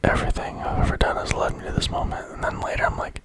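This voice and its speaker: An ASMR creator speaks entirely in a breathy whisper. The delivery is meandering and playful, like idle late-night chat, with thoughts drifting from one to the next. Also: quick pace. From America.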